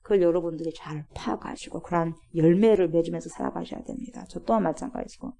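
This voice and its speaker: A woman's voice: on the low side, quick pace, creaky, warm tone. A woman pastor preaching at a Friday prayer service. She asks the congregation questions and drops to a whisper at times. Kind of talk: sermon. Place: church.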